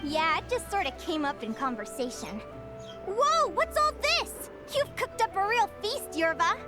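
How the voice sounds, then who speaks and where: A curious, bookish young bird fae for a video game. Her voice sits high and bright, and she talks with eager, articulate wonder that drifts into wistfulness. Soft music hums underneath. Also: sing-song, unhurried, exaggerated voice.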